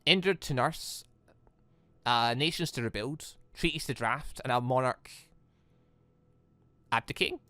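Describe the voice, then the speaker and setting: A man's voice: mid-range voice, sharp tone, no room sound. A man reading visual novel dialogue aloud as a gaming host, often stumbling and correcting himself. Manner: halting, stumbling over words and correcting himself.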